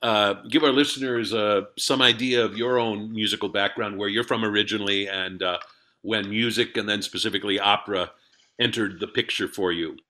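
A male interviewer with a somewhat low, bright, forward voice. He poses questions in a measured, formal and courteous way. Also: fairly even intonation. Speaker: radio interviewer host.

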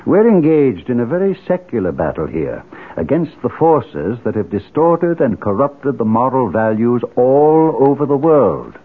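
An actor playing a suave, imperious society leader in a 1970s radio drama, speaking formally and pompously. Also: male voice, medium pitch, sing-song, slightly rough. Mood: lofty. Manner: formal, pompous, measured oratory. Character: imperious, suave male leader of secretive moral-crusade society. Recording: tinny 1970s radio broadcast.

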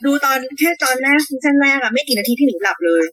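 Woman cohost, fast, bouncy voice, quick questions, faint hiss behind. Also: high-pitched, lively intonation, fairly bright tone. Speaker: podcast co-host. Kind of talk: casual chat.

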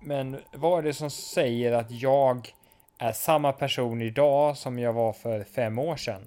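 A man's voice: mid-range voice, darkish tone, soft background music. A man in casual chat, rambling and philosophical, with frequent hesitations. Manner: rambling, philosophical, many fillers.

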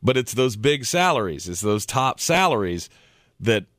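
A man in his thirties co-hosting sports talk radio, agreeable and quick to chime in. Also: mid-range voice, sing-song, a bit bright, no room sound, clean studio sound. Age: 30s. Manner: agreeable, backchanneling.

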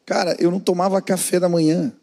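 A man's voice: high voice, fairly even intonation, quick pace, vocal fry, warm tone. A man preaching a conversational sermon as a pastor, telling family anecdotes. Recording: church hall reverb.

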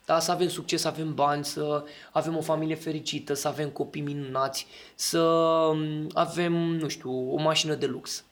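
A man's voice: a little high, level tone, hardly any pauses, fairly bright tone. A man in casual podcast talk, explaining his ideas and often checking that the listener agrees.

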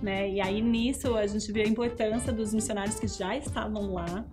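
A woman's voice: mid-range voice, steady tone, normal speed. A woman, a missionary guest explaining things in a casual chat, often tagging her sentences with "né". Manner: explanatory, with frequent "né" tags. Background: background music.

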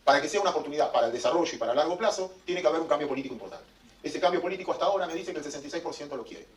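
A man's voice: a little high, animated, racing. A man with an Argentine accent giving an economics talk to an audience, emphatic and joking, recorded at a distance in an echoey room. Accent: Argentine Spanish. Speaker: economic speaker. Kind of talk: lecture to an audience.

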